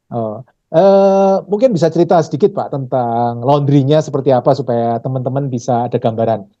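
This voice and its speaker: With a Javanese accent, a man speaks at a moderate pace in a fairly high pitch and a dark, mellow tone. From Yogyakarta, Java. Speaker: YouTube host, property investment educator. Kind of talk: interview. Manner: animated.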